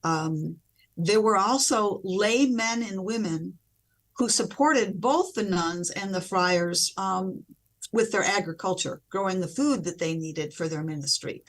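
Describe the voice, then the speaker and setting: A woman religious sister, a guest on a video call, explaining her community in a measured way. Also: medium pitch, low-quality recording. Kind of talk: explanatory interview answers.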